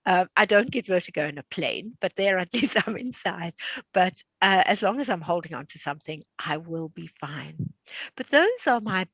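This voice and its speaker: A woman's voice: lowish voice, lively intonation, moderate pace, vocal fry, fairly bright tone, husky, dry recording. A woman in her sixties hosting an online class, chatting casually and laughing easily. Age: 60s. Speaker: class host. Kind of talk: casual hosted chat.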